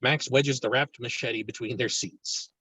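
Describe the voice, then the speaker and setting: A man's voice: mid-range voice, steady tone, unhurried, pushed and bright, husky, no echo. A man reading stage directions aloud as scripted narration for a screenplay table read.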